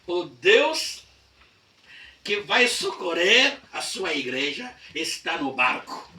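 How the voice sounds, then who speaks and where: A male pastor from Brazil preaching a sermon with dramatic storytelling that swings between hushed lines and shouts. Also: fairly high pitch, sing-song, slow. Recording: echoey church heard from a distance.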